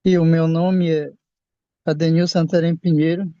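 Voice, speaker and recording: Older Brazilian man giving a halting testimony. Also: on the high side, level tone, dark tone, no room sound. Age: 60s. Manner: halting, repeats and restarts words. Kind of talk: personal faith testimony. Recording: dull lo-fi sound.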